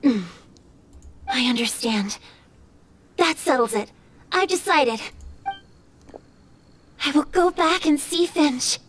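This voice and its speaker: A woman voicing a gentle, wistful female water spirit who speaks softly and earnestly in video game dialogue. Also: high voice, animated, takes it slowly, long pauses, slight background noise. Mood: resolved. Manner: soft, earnest, confiding.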